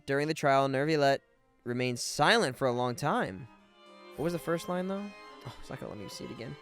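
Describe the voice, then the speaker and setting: A man's voice: medium pitch, a little fast, fairly bright tone. A man live streaming a video game, chatty and informal, sometimes stumbling as he reads aloud, with game music behind.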